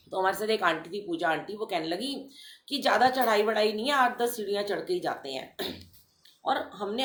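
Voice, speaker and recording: A middle-aged woman addresses a devotional gathering, telling her story with lively turns and acting out the people she quotes. Her voice sits at a medium pitch and carries a roomy echo around it. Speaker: satsang speaker.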